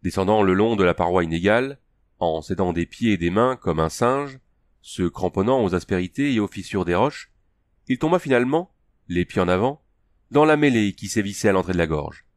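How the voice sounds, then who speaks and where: A man narrating an adventure story as an audiobook, steady and measured. His voice sits on the low side and is recorded close and dry, with no room sound around it. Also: no echo. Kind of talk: scripted narration of a fantasy story.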